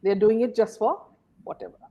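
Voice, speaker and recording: A woman's voice: mid-range voice, fairly even intonation, brisk, dull audio. A woman hosting a casual commentary talk, filling her sentences with "uh" and "you know". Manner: many fillers and "you know"s. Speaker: host.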